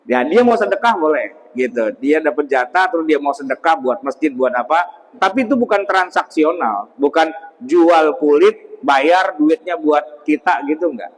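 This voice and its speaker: A man's voice: on the high side, expressive, normal speed. A man, an Islamic scholar explaining in a casual talk, asking rhetorical questions and acting out little dialogues. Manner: rhetorical questions, keeps addressing the host. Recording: long hall reverb.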